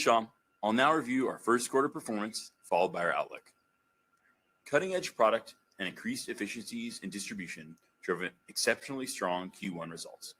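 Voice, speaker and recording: A man's voice: lowish voice, a bit bright, husky. A man reading a scripted financial report as a finance executive, formal and businesslike.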